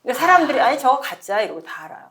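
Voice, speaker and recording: A woman's voice: high-pitched, very animated, very fast, crowd noise. An older woman from Seoul, an actress guest on a talk show, chatting casually and telling anecdotes, acting out quoted dialogue and laughing often. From Seoul, South Korea. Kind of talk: casual interview chat.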